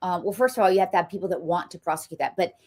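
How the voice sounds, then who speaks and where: A woman's voice: fairly low pitch, very fast, a little mellow. A woman with a Southern US accent, hosting a political talk show and speaking emphatically, with frequent ums. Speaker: show host.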